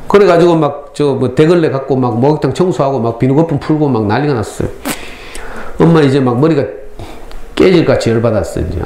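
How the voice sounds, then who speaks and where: A middle-aged man with a Gyeongsang Korean accent lectures parents at a school, moving from story to lesson. His fairly high voice rises and falls widely as he acts out lines. The recording is roomy and echoey, with faint hall ambience behind him. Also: a little mellow, a little hiss or hum.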